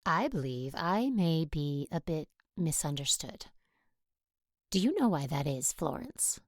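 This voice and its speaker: A woman playing a stern, controlling Catholic nun who teaches, speaking in a measured, formal way in an audio drama. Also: deep voice, sing-song, no room sound, studio quality, exaggerated voice. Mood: probing, earnest.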